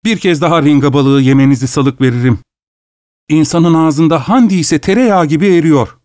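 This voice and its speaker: A man's voice: on the high side, moderate pace, darkish tone, no echo, clean studio sound, pitched above the performer's own voice, natural voice. A man doing a frantic, overpolite host. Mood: forced cheer. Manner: strained, overly polite, growing frantic. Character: rich host forcing cheer through rising fury, male.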